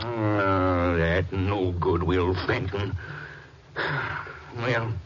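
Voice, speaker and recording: An actor playing a cantankerous older farmer with a rural Texan accent, grumbling in folksy exasperation in a 1950s radio drama. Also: male voice, sits low, fairly even intonation, extremely slow. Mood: grudging. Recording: noisy, muffled 1950s radio recording.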